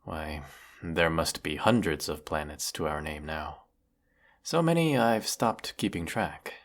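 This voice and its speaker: An actor playing a weary, menacing galactic emperor in a sci-fi audio roleplay, speaking with pompous, theatrical formality. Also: male voice, lively intonation, a little slow, full character voice. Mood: weary, confiding. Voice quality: low, gravelly. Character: weary, menacing galactic evil emperor, secretly fond of servant. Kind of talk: scripted audio roleplay monologue.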